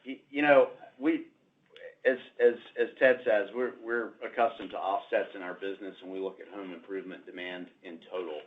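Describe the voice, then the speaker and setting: A man's voice: sits low, steady tone, normal speed. A man, a company executive, answering analysts off the cuff on an earnings call with stammering restarts. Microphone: conference call line. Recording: noisy, narrow-band conference phone line.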